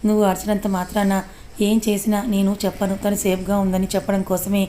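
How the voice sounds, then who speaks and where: A woman voicing a mysterious male kidnapper who taunts calmly on the phone. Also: mid-range voice, a little hiss or hum, natural voice. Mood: taunting. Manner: mocking, laughing, calm and quick.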